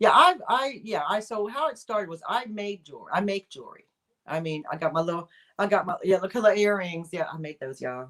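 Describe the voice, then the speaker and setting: An American accent from a woman at a medium pitch, with lively intonation, big swings in loudness and a fairly quick pace. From Texas, Houston area (Fort Bend County). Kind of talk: casual interview chat. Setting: live stream video call.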